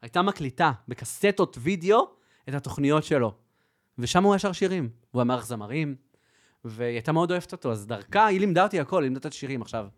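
A young man speaking in a slightly high voice, chatting casually as a podcast guest. He tells his stories with lively energy, laughs often and slips into Spanish phrases. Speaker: podcast guest, content creator. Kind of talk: casual chat.

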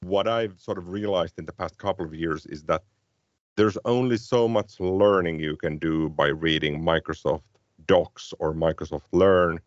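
Low-voiced Finnish man chatting about tech. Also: no echo, dull audio. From Finland. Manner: thoughtful, frequent restarts and repeated words. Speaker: podcast co-host. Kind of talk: casual tech podcast chat.

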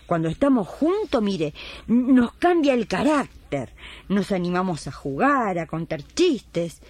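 Woman playing spirited older argentine lady, retired midwife in a radio play, very lively intonation, consoling. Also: mid-range voice, measured pace. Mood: encouraging. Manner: consoling, encouraging. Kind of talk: radio drama acting.

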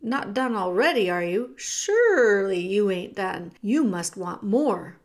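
A woman voicing a rough-spoken but soft-hearted kitchen cook who talks in a folksy dialect, coaxing and emphatic. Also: mid-range voice, very animated, takes it slowly.

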